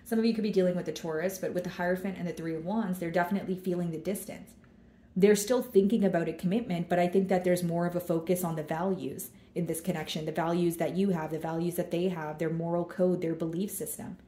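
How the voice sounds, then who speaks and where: A woman giving a casual tarot reading, chatty and relaxed, talking through the cards as she draws them. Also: fairly low pitch, fast, echoey room. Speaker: tarot reader.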